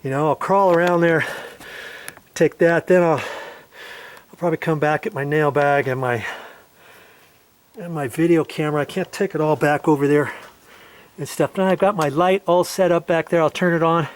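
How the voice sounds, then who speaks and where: A man's voice: on the high side, normal speed. Chatty man with an echoey sound. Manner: chatty, rambling, talks while handling tools. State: out of breath while climbing. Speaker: DIY video host. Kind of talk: casual how-to vlog.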